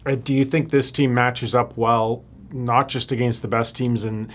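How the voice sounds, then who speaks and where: A man's voice: mid-range voice, level tone, moderate pace, a bit bright. A man in his forties hosting a sports panel in a studio, asking the guests conversational questions on a lapel mic. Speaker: host. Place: studio with panel seated on stools.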